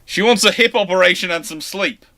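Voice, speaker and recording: A British man hosting a live question-and-answer stream on naval history, chatting casually and teasing a co-host, with loud animated bursts of emphasis. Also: sits high, brisk. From Britain. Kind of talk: live Q&A chat.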